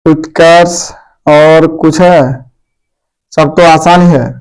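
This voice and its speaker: A man's voice: a little high, level tone, slow pace, a little mellow, clean tone, poor audio. A man teaching a grammar lesson to pupils at a board, repeating key words and quizzing them. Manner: addresses pupils as "मेरे प्यारे बच्चों".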